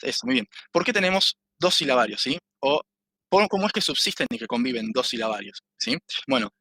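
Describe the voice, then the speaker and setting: A man teaching an online class, patiently explaining and tagging nearly every phrase with a quick "¿sí?". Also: fairly high pitch, bright, forceful tone. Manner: constant "¿sí?" tag after nearly every phrase. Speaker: Japanese language teacher. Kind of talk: online public class lecture.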